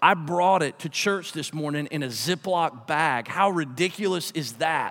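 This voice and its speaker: An unremarkable speaking voice from a man, fairly high in pitch with ordinary pitch variation, at a fairly slow pace on a very clean recording with a silent background. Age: 30s. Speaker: pastor. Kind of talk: sermon. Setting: church with congregation.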